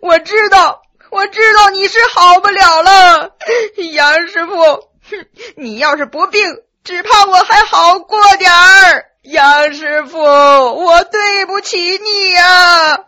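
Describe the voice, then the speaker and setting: A woman storyteller voicing an aggrieved, hot-tempered young boy who shouts defiantly through sobs. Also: extremely high pitch, big pitch swings, normal speed, pitched above the performer's own voice, full character voice. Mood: wailing, sobbing.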